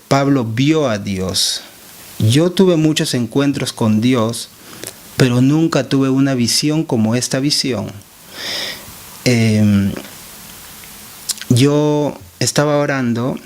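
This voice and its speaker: Earnest evangelist, testimony style, halting delivery. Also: male voice, mid-range voice. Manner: earnest, halting, with pauses and restarts. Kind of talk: spoken religious testimony.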